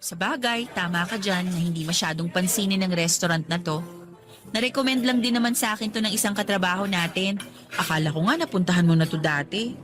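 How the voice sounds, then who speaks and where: A woman's voice: fairly low pitch, brisk, music in the background, lightly acted. A woman with a Filipino accent acting as a loving, teasing and direct young girlfriend in a radio romance drama. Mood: teasing, playful.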